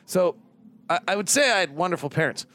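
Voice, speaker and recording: A man's voice: high-pitched, a little fast. A man co-hosting a postgame sports radio show, breaking down the game and telling jokes and stories in a studio. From California. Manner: animated, joking, storytelling. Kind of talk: postgame analysis chat. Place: closed studio near an arena.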